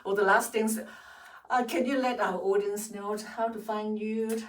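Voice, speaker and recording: A woman hosting a casual studio interview, asking her questions haltingly, with many fillers. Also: medium pitch, steady tone, distant mic. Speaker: interview host. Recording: roomy studio sound, off-mic.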